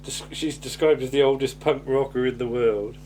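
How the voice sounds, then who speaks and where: Bloke on a podcast, chatty and rambly, bit of stop-start, slight hum behind him. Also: male voice, medium pitch, fairly even intonation, moderate pace, darkish tone. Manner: hesitant, rambling, chuckling delivery. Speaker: podcast host. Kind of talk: casual chat recapping a television sitcom episode.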